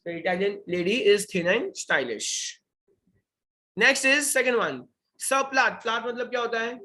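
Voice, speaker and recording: A man's voice: extremely high pitch, expressive, slow, pushed and bright. A young man with an Indian accent teaching a French revision class, quizzing students and repeating key points. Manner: questioning, repeats key points, mixes Hindi and English. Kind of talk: online revision lesson.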